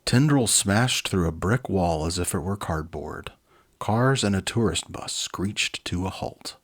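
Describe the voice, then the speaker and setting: A man in his forties hosting a children's book reading, mixing expressive narration with casual, enthusiastic asides. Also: sits low, unhurried. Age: 40s.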